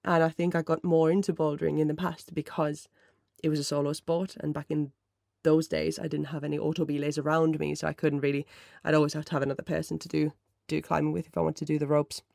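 Mellow podcaster in their thirties, a bit of vocal fry, keeps restarting sentences. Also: mid-range voice, level tone, fast talker, hardly any pauses, dry recording, studio quality. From Finland. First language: Finnish. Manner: mellow, rambling, self-correcting. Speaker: podcast host. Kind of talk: casual solo chat answering listener questions.

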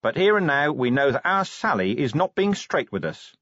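A man voicing a weary, sardonic middle-aged city watch commander in an audiobook, dry and wry, with a husky voice. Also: mid-range voice, sing-song, moderate pace, a bit bright, no echo, highs cut off, pitched above the performer's own voice. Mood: wry, pleased. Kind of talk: audiobook character voice.

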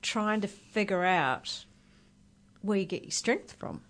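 A woman's voice: mid-range voice, expressive, takes it slowly. A woman hosting a radio interview, asking thoughtful questions and rephrasing them as she goes. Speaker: radio show host.

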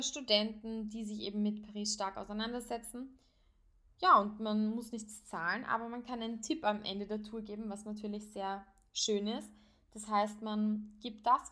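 A young woman with an Austrian accent talks alone as a podcast host. Her voice sits at an average pitch for a woman. She chats informally and without a script, mixing English expressions into her sentences. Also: fairly bright tone. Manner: informal, sprinkles English phrases into her talk. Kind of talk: casual solo podcast chat, unscripted.

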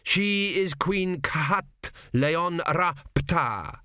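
A grave, elderly high priest, voiced by a man, measuring each word at a stately crawl. He sounds formal and guarded. Dry, close recording. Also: bright, forceful tone, no echo, exaggerated voice. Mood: solemn. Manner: slow, stately and deliberate. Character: aged high priest, solemn, measured and evasive.

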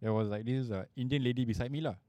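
A man's voice: mid-range voice, racing, warm tone, no echo. A man with a Singaporean accent telling stories in casual, colloquial Singlish as a podcast co-host. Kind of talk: casual chat and storytelling.

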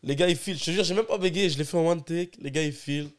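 Young male rapper guest, quick slangy delivery. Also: a little high. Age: young adult. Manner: laid-back, slangy storytelling. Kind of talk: casual podcast chat.

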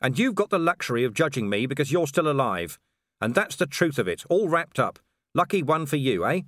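A man's voice: medium pitch, big pitch swings, a little fast, dry recording, clean studio sound, voice pushed up. A man voicing a grim, furious middle-aged city watch commander in an audiobook, growling and bitter. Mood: bitter, angry. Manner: growling, bitter, raised and forceful. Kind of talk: audiobook character reading.

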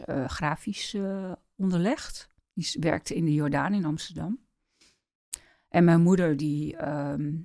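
Middle-aged dutch woman, low voice, bit gravelly, slow and halting, dry sound. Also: no echo. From Netherlands. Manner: hesitant, many pauses and fillers. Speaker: interview guest. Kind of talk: personal life-story interview.

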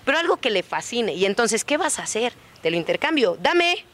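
A woman's voice: fairly high pitch, big pitch swings, a little fast, a bit bright. A woman with a Mexican accent, a guest on a radio show, talking casually and animatedly about dogs and acting out little dialogues. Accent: Mexican Spanish. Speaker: dog daycare co-founder, guest.

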